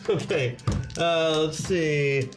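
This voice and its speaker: A man's voice: a little high, slow. A man playing a tabletop game, teasing the others and joking about his character. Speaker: player. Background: music.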